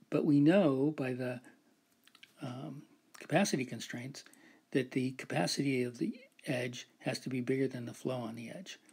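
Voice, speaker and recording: A man's voice: mid-range voice, gravelly, darkish tone, husky. A man giving a recorded whiteboard lecture, explaining a math proof step by step and often checking in with "right?".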